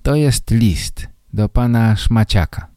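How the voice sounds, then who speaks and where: A man's voice: lowish voice, slow pace, warm tone, dry recording, clean studio sound. A man doing a kindly village teacher. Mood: reassuring. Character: helpful village male teacher, calm and kindly. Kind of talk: slow read-aloud storytelling for learners.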